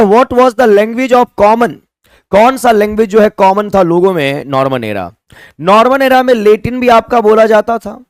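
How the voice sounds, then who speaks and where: Man, Indian accent, high voice, lively rising and falling pitch, live online class teacher. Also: no room sound, studio quality. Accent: Indian, Hindi-speaking. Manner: mixes Hindi and English, asks viewers to comment answers; spells words letter by letter. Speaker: English teacher.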